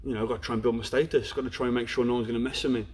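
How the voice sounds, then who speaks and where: A man's voice: medium pitch, little pitch movement, very fast, darkish tone, slightly rough. A young man with a Black Country accent, frankly telling his life story as an interview guest. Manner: frank, storytelling, peppered with "you know". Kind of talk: candid personal story in a podcast interview.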